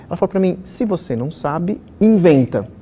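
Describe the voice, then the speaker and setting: Animated middle-aged man telling stories. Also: sits high, moderate pace, slight background noise. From Israel. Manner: animated storyteller, many fillers. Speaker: children's author. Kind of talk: conversational interview storytelling.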